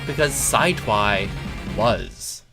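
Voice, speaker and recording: Man, animated swooping intonation, wry theatrical storytelling, informal asides, clear music behind. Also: lowish voice, extremely slow. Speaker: reader of comic fan fiction.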